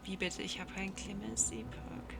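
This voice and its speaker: A woman in her thirties giving casual, low-key, self-deprecating commentary while she plays a video game. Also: fairly even intonation, normal speed, loud music behind the voice. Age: 30s. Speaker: gaming streamer. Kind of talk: casual let's play commentary. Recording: clear background noise, game ambience.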